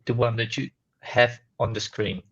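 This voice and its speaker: A man's voice: medium pitch, level tone, moderate pace, fairly bright tone. Muffled man on a remote call. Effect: muffled, as if through a wall. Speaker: panelist on a live market show. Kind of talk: casual panel chat. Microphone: remote call away from home. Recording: dull muffled call audio.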